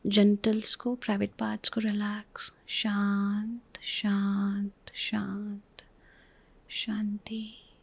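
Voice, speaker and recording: A woman with an Indian accent leads a guided relaxation in a soothing, repetitive, reassuring way, with a breathy voice that often drops to a whisper. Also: medium pitch. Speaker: spiritual healer leading a guided relaxation. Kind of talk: guided meditation, hypnotic instruction.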